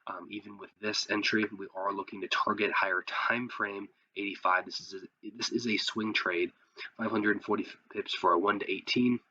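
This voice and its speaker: A man with a lowish but bright, forceful voice that sounds a bit sick. He walks through material like an informal online instructor, step by step, asking and answering his own questions. The recording is slightly dull and lo-fi. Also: fairly even intonation, normal speed, no room sound. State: sick, voice affected by illness. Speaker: host, trading instructor. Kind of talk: casual tutorial commentary over trading charts.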